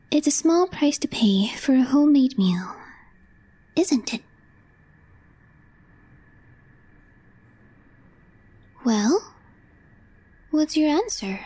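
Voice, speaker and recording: A woman playing a calm, deadpan young female coworker with a crush in an ASMR roleplay, speaking softly and breathily in measured, short phrases. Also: sits high. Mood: deadpan, shyly curious. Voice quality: soft, breathy, half-whispered. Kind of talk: intimate ASMR roleplay, scripted.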